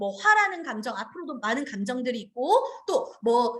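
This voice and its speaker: In audible room echo, a woman speaks at a high pitch and moderate pace, her voice making very wide pitch swings. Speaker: teacher trainer. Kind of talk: online training lecture. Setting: video call.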